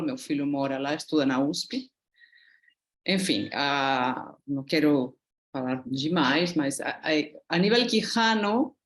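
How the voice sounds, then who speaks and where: A middle-aged woman from Peru with a Peruvian Spanish accent, talking at length and with feeling as a student in an online class. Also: lowish voice. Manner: animated, talkative, reflective. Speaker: student asking a question.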